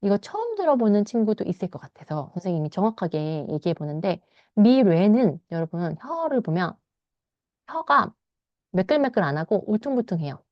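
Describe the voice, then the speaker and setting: A woman's voice: mid-range voice, sing-song, dry recording. Korean female English teacher, read-aloud lesson, dry close lo-fi recording. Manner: reads English lines slowly, then explains in quick Korean. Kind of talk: bilingual read-aloud lesson, explaining a novel.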